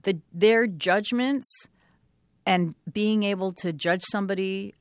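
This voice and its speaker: A woman's voice: mid-range voice, slow, no echo, studio quality. A woman in her fifties, from Canada, speaking as a guest in a radio interview, candid and earnest, reflecting with frequent ums. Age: 50s. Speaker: guest, author.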